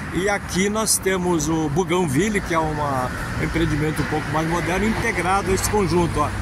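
Loud background noise surrounds the recording. A man speaks with ordinary pitch variation. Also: dry sound with no echo. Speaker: local history vlogger. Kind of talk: walking tour commentary. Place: street. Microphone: phone near.

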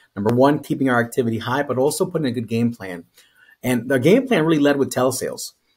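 Over a quiet background, a man talks at a very fast pace with a medium pitch. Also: ordinary pitch variation. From Miami, Cuban-American. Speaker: insurance agency leader. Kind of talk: casual interview. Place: office. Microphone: webcam.

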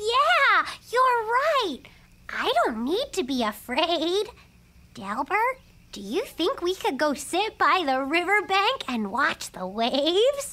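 In a cartoonish character voice, someone speaks at a fairly slow pace with extremely high pitch and very wide pitch swings. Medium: puppet.

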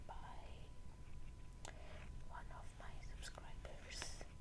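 The speech comes at a very slow pace over loud background noise. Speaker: ASMR creator. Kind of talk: ASMR video talk. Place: home room. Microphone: phone near.

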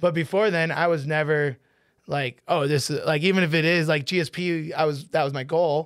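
The sound is dry with no echo, and the background is quiet. A man speaks at a moderate pace with fairly even intonation. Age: 30s. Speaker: retired MMA fighter, podcast co-host. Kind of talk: casual chat. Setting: studio. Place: studio. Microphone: studio mic.

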